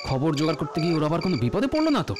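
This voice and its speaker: A crafty old jester with a playful, musing way of talking. His pitch swings widely as he teases and schemes, with light music behind. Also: huge pitch swings, rapid-fire. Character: clever witty old male court jester. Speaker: court jester. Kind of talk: cartoon voice acting.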